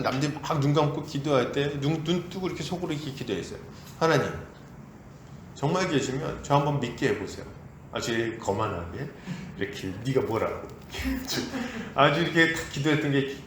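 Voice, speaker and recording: A male pastor preaching a sermon in a lively, conversational way, acting out quotes as he goes. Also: a little high, roomy sound, slight background noise. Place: church sanctuary.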